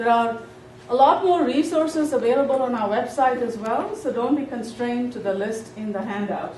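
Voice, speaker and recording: With audible room echo and noticeable background noise, a woman talks at a fairly high pitch. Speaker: native plant gardening speaker. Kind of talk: lecture.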